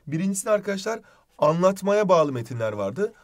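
A man with a fairly high voice teaches literature online, speaking briskly with big pitch swings. He explains patiently, treats his students like friends and writes on the board as he goes.

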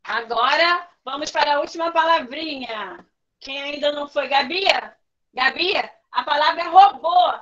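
Patient teacher on dull call audio. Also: female voice, high voice, moderate pace, a bit bright. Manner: patient, coaxing, calls pupils by name and repeats questions. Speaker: primary school teacher. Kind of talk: online class lesson.

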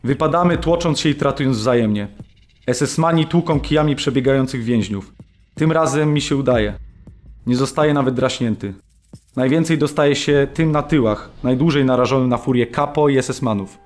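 A man's voice: mid-range voice, normal speed, a little mellow, soft background music, close to an everyday voice. An actor voicing a male camp prisoner who relives beatings and exhaustion in a documentary radio play. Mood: grim, strained. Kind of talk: dramatised documentary narration in present tense.

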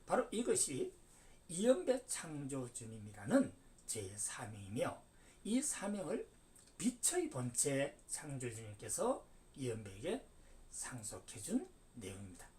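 A man's voice: medium pitch, huge pitch swings, unhurried, a little mellow. A man in his seventies giving an emphatic religious lecture, declaiming with sudden rises and falls. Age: 70s. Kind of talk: preaching lecture. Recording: distant mic.

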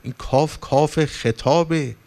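A man's voice: on the high side, warm tone. A male cleric preaching a sermon in Persian, telling stories with passion and rising to emphatic, pleading points. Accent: Persian, from Iran. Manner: impassioned storytelling, rising for emphasis. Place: religious gathering hall.

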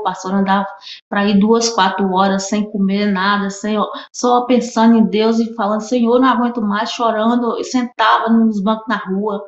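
In a recording from an echoey room with the highs cut off, a Brazilian woman with a mid-range voice and a Brazilian Portuguese accent gives a fervent religious testimony as a guest. She cries as she talks and keeps repeating herself.

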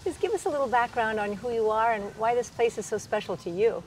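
A woman's voice: on the high side, fast, a little mellow, a little hiss or hum, low-quality recording. Effusive middle-aged woman host. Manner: effusive, upbeat. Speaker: TV show host. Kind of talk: TV interview. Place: outdoors at a seaside aquarium. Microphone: lapel mic.

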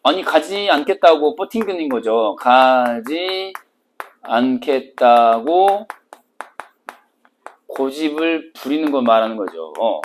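A man's voice: fairly high pitch, sing-song, moderate pace, hardly any pauses, a little hiss or hum. A middle-aged man teaching literature for an exam, joking and firing rhetorical questions at his students. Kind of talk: exam-prep lecture.

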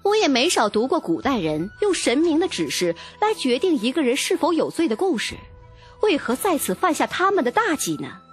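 A woman's voice: high-pitched, big pitch swings, normal speed, faint music behind. A woman narrating a novel in a dramatic, scripted first-person storytelling style. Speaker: audiobook narrator.

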